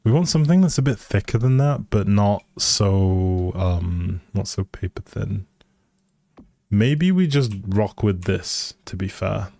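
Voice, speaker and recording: A man's voice: on the low side, lively intonation, unhurried, vocal fry, dark tone, no room sound. A man giving casual live game commentary as a streamer, musing aloud in a hesitant way.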